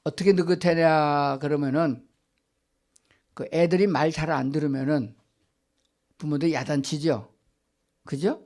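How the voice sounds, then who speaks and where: A man's voice: on the high side, fairly even intonation, measured pace, long pauses, darkish tone. Older male pastor, questioning sermon. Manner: asks the congregation rhetorical questions and answers them himself. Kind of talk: Sunday sermon. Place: church sanctuary.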